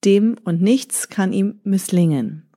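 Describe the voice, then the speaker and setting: A woman's voice: medium pitch, slow pace, warm tone. A woman voicing a clever talking parrot. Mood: persuasive. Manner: pleading, then smoothly persuasive. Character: clever talking male parrot, polite and persuasive. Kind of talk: storybook reading.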